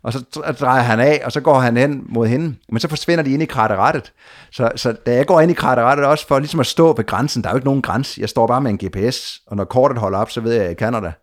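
A man telling a long story of his trip in a casual conversation, lively, with frequent restarts and repeated words. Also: medium pitch.

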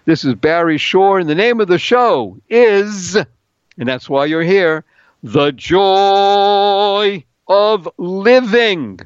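A man's voice: high-pitched, takes it slowly, clear, resonant tone, dry recording, muffled recording. A middle-aged man hosting a talk radio show, playful and upbeat, spelling out words letter by letter and singing little bits.

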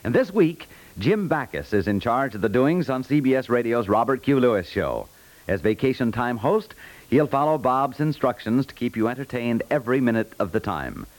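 A man's voice: medium pitch, big pitch swings, moderate pace. A male American announcer reading a scripted 1950s radio promotion.

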